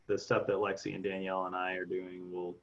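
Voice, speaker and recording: Man, lowish voice, meeting chair, halting and filler-heavy, muffled lo-fi audio. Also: monotone, fairly bright tone. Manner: halting, many restarts and fillers. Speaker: board member leading the meeting. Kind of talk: casual meeting discussion.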